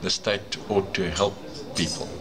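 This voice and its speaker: An older man from South Africa whose first language is Afrikaans, with a South African accent, giving measured, thoughtful answers as an advocate being interviewed indoors. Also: low-pitched, fairly even intonation, a crowd in the background. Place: indoor room, seated. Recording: noisy room ambience.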